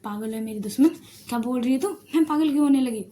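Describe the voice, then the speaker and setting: A woman's voice: high-pitched, fast talker, dark tone, slight background noise, close to an everyday voice. A woman voicing a playful young woman who teases her friend and worries earnestly for her sister. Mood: teasing.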